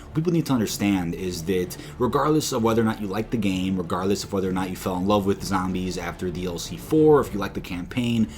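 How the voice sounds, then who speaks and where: A man's voice: deep voice, fast, a little mellow, a little hiss or hum. A man giving informal, opinionated video commentary to viewers as a gaming news host, explaining things with emphasis. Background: background music.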